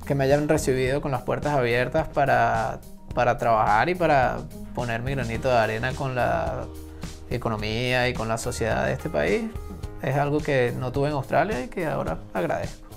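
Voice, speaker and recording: A gravelly man's voice talks slowly and carefully. He sits as a guest in a small office, with faint music behind him. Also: mid-range voice. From Venezuela. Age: 30s. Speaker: interview guest.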